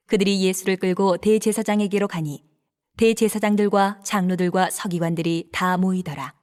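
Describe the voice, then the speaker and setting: A woman narrates scripture for an audio Bible drama. Her voice sits in a middle register, and she tells the story in a steady, even manner, keeping the action flowing between the spoken lines. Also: mid-range voice.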